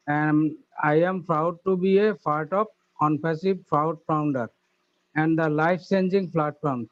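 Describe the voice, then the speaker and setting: A man with a Bangladeshi accent speaks slowly and formally over an online call, pausing often with fillers as he offers thanks. His voice sits a bit high for a man. The call audio is muffled and dull. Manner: slow, halting, formal, with many uh fillers. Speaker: webinar participant. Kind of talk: formal grateful speech on a call. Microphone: phone or computer call audio.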